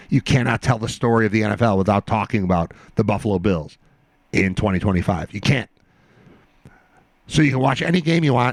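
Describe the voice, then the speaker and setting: In a put-on character voice, a man talks very fast at medium pitch, raspy and with lively intonation, taking long, frequent pauses in a dry, close sound with no echo. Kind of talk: sports podcast talk.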